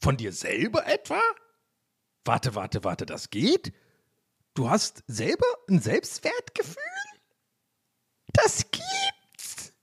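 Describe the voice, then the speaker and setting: A man's voice: on the high side, wildly swooping pitch, slow pace, vocal fry, pauses often, husky. A young man hosting a casual solo podcast, rambling and self-mocking with jokey asides. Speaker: podcast host.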